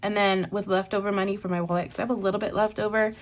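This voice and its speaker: A young woman budgeting out loud in a relaxed vlog voice-over, chatty and full of fillers, a little congested from a lingering cough. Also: mid-range voice, rapid-fire, a little hiss or hum. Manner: chatty, thinks aloud with many fillers. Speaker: budgeting vlogger. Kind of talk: casual voice-over while cash stuffing.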